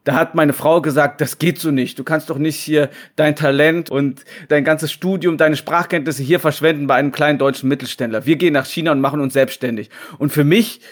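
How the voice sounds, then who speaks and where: A man's voice: fairly high pitch, steady tone, brisk, hardly any pauses. A man in his thirties, a guest talking casually at home over a video call, hesitant with many restarts. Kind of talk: casual remote interview.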